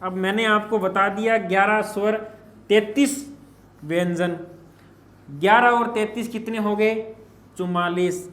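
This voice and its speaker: A man's voice: high voice, fairly even intonation, a little slow, long pauses, fairly bright tone, reverberant. A man teaching Hindi grammar for exam prep, spelling out letters piece by piece and asking and answering his own questions. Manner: addresses students as children, asks and answers his own questions. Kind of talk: exam-prep classroom lecture.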